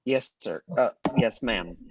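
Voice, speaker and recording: A man playing a glum, polite high school boy in a screenplay table read, on lo-fi audio. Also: slow pace, breathy edge, no echo. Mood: subdued. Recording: dull, lo-fi online call audio.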